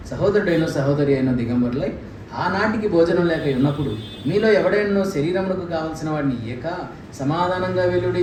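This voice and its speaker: A man preaching a sermon in a church, speaking animatedly with rhetorical questions and acted quotes. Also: on the high side. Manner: animated, mimics scripture voices, rhetorical questions. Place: church hall. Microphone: handheld mic. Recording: echoey church room, distant mic, faint noise.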